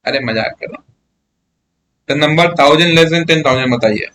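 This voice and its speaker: Chatty maths teacher, slightly high voice. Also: male voice, slow, a bit bright, a little hiss or hum. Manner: chatty, coaxing, keeps asking students "yes or no?". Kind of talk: live online maths class.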